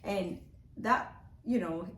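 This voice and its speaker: A woman's voice: fairly low pitch, slow pace. A woman from Kenya with a Kenyan accent, telling personal stories in a casual chat and often laughing. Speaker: guest. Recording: echoey room, faint noise.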